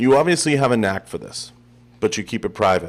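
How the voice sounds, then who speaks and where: At a moderate pace, a man speaks in an animated tone, captured in a very clean recording with a silent background. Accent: Boston. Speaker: podcast host. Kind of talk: casual interview.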